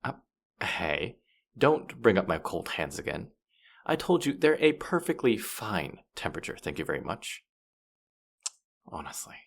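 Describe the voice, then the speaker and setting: A man's voice: sits low, big pitch swings, measured pace, vocal fry, long pauses, full character voice. A man playing a boastful, teasing demon who guides souls through the afterlife, playful and smug in a fantasy audio roleplay. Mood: mock-offended. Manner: playful, smug, mock-offended, hesitating mid-thought. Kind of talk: scripted character audio roleplay addressed to the listener.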